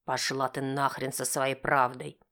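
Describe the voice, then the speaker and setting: A woman voicing an enraged middle-aged husband who snarls harsh, cursing retorts in her own low voice. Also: level tone, a little slow, a bit bright, full character voice. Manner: harsh, snarling through teeth.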